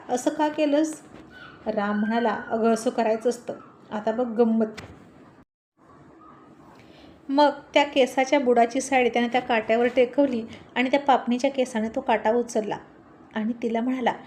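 Female storyteller with a Marathi accent, somewhat high voice, lively delivery that plays every character, light hiss behind. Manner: voices the characters' lines herself, lively and expressive. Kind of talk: scripted narration of a romance serial.

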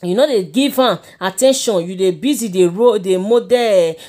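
A woman's voice: medium pitch, normal speed, darkish tone. A woman with a Nigerian accent hosting a gossip channel, talking chattily to her viewers in Pidgin and calling them "my people" again and again. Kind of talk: casual gossip commentary. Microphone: voice-over.

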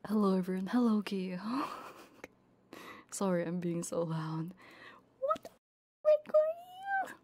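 Woman streamer, slow, soft and mellow. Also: mid-range voice, sing-song, a little hiss or hum. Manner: giggly, bantering. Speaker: livestreamer and ASMR host. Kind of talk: casual livestream chat with viewers; ASMR, often slipping into soft whispers.

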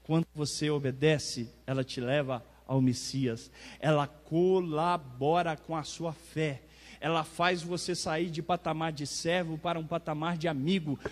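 High-voiced Brazilian man preaching emphatically. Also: steady tone, a little slow. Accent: Brazilian Portuguese. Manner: emphatic preaching, swells loud on key phrases, talks directly to congregants. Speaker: pastor. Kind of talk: sermon. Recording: long reverb of a church hall.

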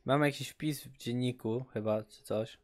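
A man streams himself playing a game, chatting to viewers in a loose, joking way with the odd curse. His voice sits at an ordinary middle pitch. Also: normal speed, darkish tone. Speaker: gaming streamer. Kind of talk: casual let's-play commentary.

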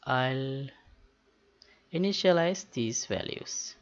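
A man talking through a software tutorial unscripted, thinking aloud in a halting way with pauses mid-sentence. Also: mid-range voice, animated. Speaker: tutorial host. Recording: dull, muffled lo-fi voice-over. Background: keyboard typing and mouse clicks.

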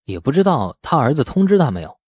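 A man voicing a measured, tactful businessman who speaks calmly and persuasively in an audiobook. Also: on the high side, slightly rough, no room sound, studio quality. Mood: uneasy.

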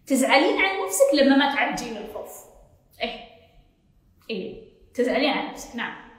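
A quick-talking woman with a Gulf Arabic accent answers questions as a self-development coach, sitting a little high in pitch. She sounds emphatic and reassuring and circles back to repeat her points. Her voice rings with heavy, long reverb, as if in a big echoing hall. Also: big pitch swings. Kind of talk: casual Q&A talk.

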